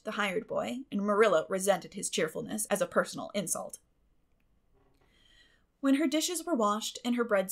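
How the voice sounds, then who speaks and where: A woman reading a classic novel aloud as scripted audiobook narration. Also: medium pitch.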